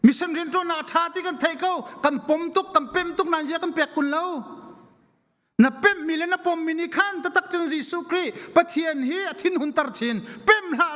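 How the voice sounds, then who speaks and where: High-pitched, fervent male preacher in echoing hall. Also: bright, forceful tone. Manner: emphatic, repeats phrases for stress. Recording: long echoing hall reverberation.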